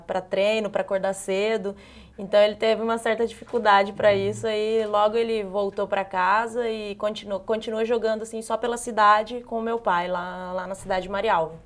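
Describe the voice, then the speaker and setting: A young woman from Brazil with a northern Paraná accent, a handball player answering interview questions in a soft, chatty way. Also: mid-range voice. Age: young adult. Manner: soft-spoken, chatty, laughs easily. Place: TV studio.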